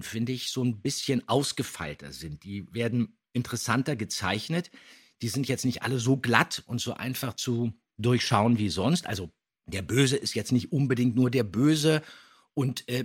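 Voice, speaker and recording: A man with a slightly husky voice, talking casually as a podcast co-host reviewing stories. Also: mid-range voice. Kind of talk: casual podcast review of an audio drama episode.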